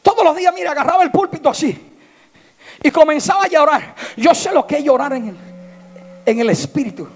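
A male pastor preaching an impassioned sermon, swinging from shouted lines to hushed, tearful tones. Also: very high voice, expressive, a little fast, long pauses.

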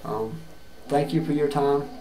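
A middle-aged man giving a plain-spoken, earnest video resume, halting often with fillers and restarts, recorded on a webcam in a small room. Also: fairly high pitch, fairly even intonation, mellow, a little hiss or hum. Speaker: job seeker. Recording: echoey room with faint ambience.

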